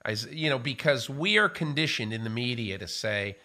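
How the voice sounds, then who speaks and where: A man in his sixties, a football analyst co-hosting a casual studio discussion, talking in an animated way, on a studio mic. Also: mid-range voice, fairly quick. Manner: animated, gestures with hands while talking. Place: small studio with framed pictures. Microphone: studio mic on boom arm.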